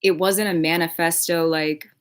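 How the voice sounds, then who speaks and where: A woman's voice: fairly low pitch, steady tone, normal speed, clean tone. A woman chatting casually on a livestream as a true crime creator, rambling with lots of filler words and casual swearing.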